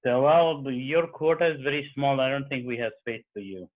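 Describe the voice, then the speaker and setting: A man's voice: mid-range voice, normal speed. A man from Pakistan, recounting a personal story to a group in a conversational way. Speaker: participant. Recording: tinny call audio.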